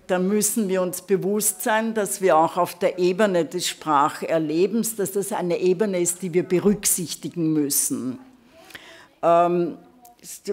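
An older woman giving an academic lecture at a conference lectern, speaking in a measured, deliberate way with frequent hesitation fillers. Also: lowish voice. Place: conference hall, standing at a lectern. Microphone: lectern microphone.

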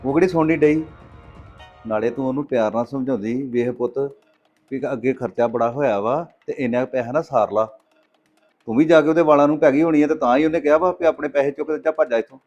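A middle-aged man playing a patient farmer father who gives calm advice. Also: medium pitch, lightly acted. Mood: advising. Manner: calm, advising, measured. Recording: dull lo-fi sound with faint music.

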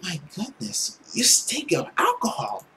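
A man voicing a gentle, concerned young woman in a visual novel, speaking softly and carefully. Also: high voice, wildly swooping pitch, measured pace, a little hiss or hum, voice pushed up, exaggerated voice.

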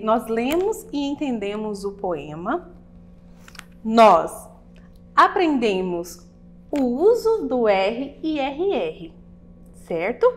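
A woman's voice: a little high, slight background noise. A woman teacher giving a recorded lesson for children, explaining patiently and asking the pupils questions.

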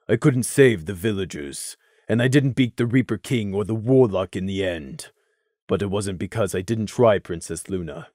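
A young pony guard, earnest and worn down, talking low and soft, as a reader puts him on. He hesitates and stumbles over his words. The sound is close and dry. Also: dry recording. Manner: quiet, halting, self-reproaching.

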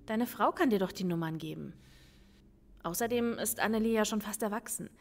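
A woman's voice: medium pitch, a little fast, close to an everyday voice. A woman playing a reassuring police lieutenant. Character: reassuring female police lieutenant, informal with colleagues. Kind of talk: audio drama dialogue.

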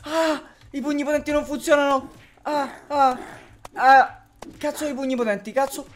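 A man's voice: extremely high pitch, fairly even intonation, normal speed, slight background noise. A man commenting casually on a survival game, laughing often and cursing at zombies. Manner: swears a lot, laughs often, yells at the game. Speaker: gameplay commentator. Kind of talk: casual let's-play commentary.

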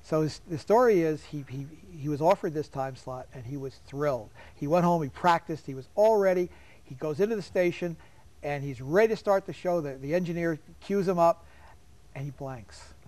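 A man's voice: a little high, moderate pace, darkish tone, low-quality recording. Chatty older man hosting a studio interview. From New York. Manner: chatty, storytelling, laughs often. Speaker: host. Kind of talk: casual interview.

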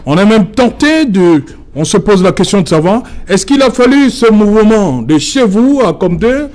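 A man's voice: sits high, big pitch swings, moderate pace, a little mellow. A young man hosting a studio talk show, asking probing questions with frequent restarts. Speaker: TV debate host.

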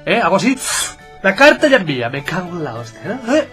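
A young man, casually commentating a football video game, excitable and swearing, addressing viewers as lads, with game music playing behind him. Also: high-pitched, a little fast. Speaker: gameplay commentator.

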